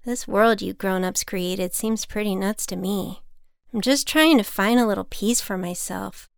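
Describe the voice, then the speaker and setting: A woman's voice: mid-range voice, a little slow, vocal fry, clean tone, no room sound, studio quality. A woman voicing a defiant young boy who argues back at an adult. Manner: indignant, argumentative.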